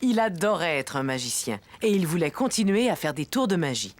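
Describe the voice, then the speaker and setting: A woman narrating a children's cartoon story in a gentle storytelling manner. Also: low voice, big pitch swings, brisk. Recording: music behind the voice.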